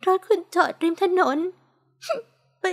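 Woman doing a young woman, storybook romance, high-pitched, crying, hesitant, timid, childlike. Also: takes it slowly. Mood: tearful.

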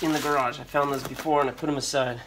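American man rambling over loud rustling noise. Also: mid-range voice, fairly even intonation, racing. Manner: rambling, thinking aloud. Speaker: vlogger, storage auction buyer and reseller. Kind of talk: casual unscripted unboxing commentary. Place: storage unit with concrete floor. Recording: noisy handheld recording, crinkling and clicks. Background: loud rustling, crumpling and clicking.

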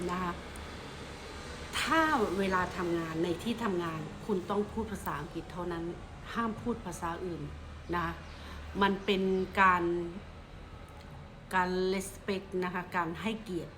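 A middle-aged woman from Thailand talks to camera in a casual advice vlog, her voice sitting a little low. She keeps a polite, measured pace and softens nearly every phrase with a gentle courteous ending. A faint ambient hum runs beneath her. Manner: polite, ends almost every phrase with a soft "na kha", measured and steady. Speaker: vlogger giving advice.

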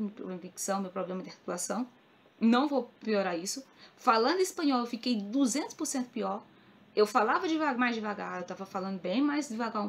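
A woman with a Northeastern Brazilian accent from Ceará, talking to camera as a crochet YouTuber in an earnest, emphatic way, repeating points to stress them. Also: mid-range voice. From Cariri region of Ceará, northeastern Brazil. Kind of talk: casual talk to the camera.

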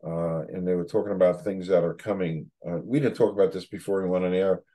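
Low-pitched older man, rambling host. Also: steady tone, fast, mellow. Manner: rambling, emphatic, repeats words for emphasis. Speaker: show host. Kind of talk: casual interview chat. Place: home office on a video call.

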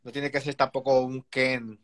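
A man in his forties chatting as a guest on a live video call, speaking in a relaxed, thoughtful way with many fillers. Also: medium pitch, moderate pace. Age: 40s. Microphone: phone camera on a video call.

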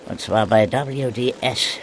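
Informant, male actor: cocky, greedy, mocking haggler for crime audio drama, mid-pitched, faint ambient noise. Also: takes it slowly. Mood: smug, businesslike. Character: sly, greedy male police informant nicknamed the Magpie. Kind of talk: German crime radio play acting.

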